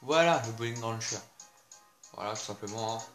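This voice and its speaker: A man's voice: fairly low pitch, normal speed. A man casually showing off vehicles in a video game, chatty, with frequent fillers and asides to viewers. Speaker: gameplay video host. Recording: roomy sound with loud game music.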